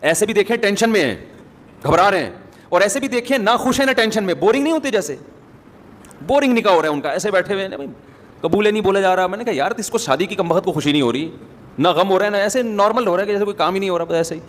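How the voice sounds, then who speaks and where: A man's voice: high voice, animated. A man giving a sermon, talking to the audience in a conversational way with joking asides. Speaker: Islamic preacher. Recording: long hall reverb, faint ambience.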